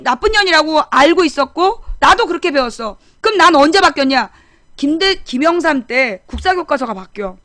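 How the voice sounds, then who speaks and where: A woman's voice: extremely high pitch, pushed and bright, no echo, clean studio sound. A middle-aged woman hosting a current affairs talk show, explaining history casually and bluntly, firing off rhetorical questions.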